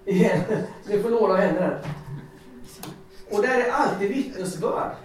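High-voiced man preaching in an echoey hall. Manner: chatty, laughing, animated storytelling. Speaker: lay preacher. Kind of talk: informal sermon with personal testimony. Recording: echoey hall, distant mic, faint noise.

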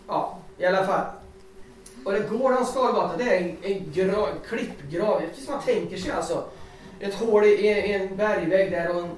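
A man giving an informal sermon and personal testimony, chatty and animated, often laughing as he tells stories. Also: sits high. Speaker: lay preacher. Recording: echoey hall, distant mic, faint noise.

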